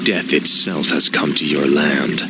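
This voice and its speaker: Arrogant death knight. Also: male voice, very deep voice, fairly even intonation, measured pace, very noisy. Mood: commanding. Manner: grim, commanding, menacing. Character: cold, arrogant male death knight commander. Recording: loud game soundtrack behind.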